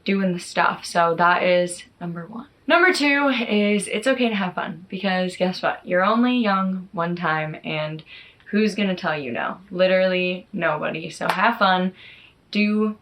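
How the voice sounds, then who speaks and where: A woman's voice: lowish voice, measured pace, fairly bright tone, a little hiss or hum. A woman in her early twenties chatting casually to her viewers as a vlogger, informal and peppered with filler words like "like" and "you know". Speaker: YouTube vlogger. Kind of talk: casual chatty talk to camera.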